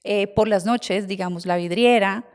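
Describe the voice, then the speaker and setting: A woman's voice: mid-range voice, moderate pace. A middle-aged woman, a medium recounting her experiences in an interview, emotional and given to repetition. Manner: emotional, repetitive storytelling with soft asides. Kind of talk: storytelling interview answer.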